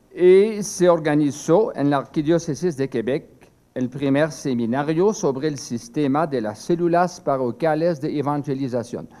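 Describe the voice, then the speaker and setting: This older priest, French by first language, presents a prepared seminar talk in a warm, slightly high voice. His pace is slow and hesitant, broken by many pauses and fresh starts.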